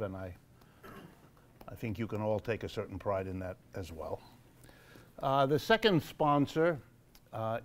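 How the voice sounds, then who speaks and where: A man hosting a live event in a church hall, making announcements to the audience in a measured, wry way with frequent pauses and fillers. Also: mid-range voice, darkish tone. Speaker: host of a monthly lecture event.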